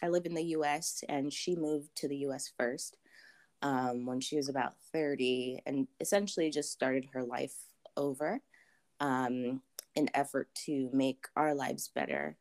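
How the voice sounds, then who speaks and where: Low, slow-talking woman from Zambia. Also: darkish tone. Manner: thoughtful, many ums and restarts. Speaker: interview guest. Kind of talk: casual interview answers.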